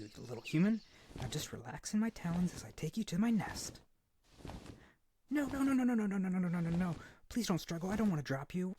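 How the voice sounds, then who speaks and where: A man's voice: a little high, a little mellow, a little hiss or hum. A man voicing an eager, naive young male harpy in an ASMR roleplay, chattering earnestly and nervously to the listener. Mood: frantic, pleading. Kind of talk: ASMR roleplay audio drama.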